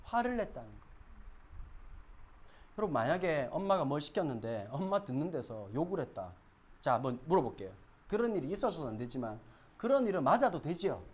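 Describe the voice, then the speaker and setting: Male pastor preaching, lively swooping voice, chatty, asks the room questions, gets loud and dramatic. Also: fairly high pitch, a little fast, long pauses, slightly rough. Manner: animated, swings from soft asides to loud shouted dramatizations; conversational, asks the congregation questions. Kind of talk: sermon.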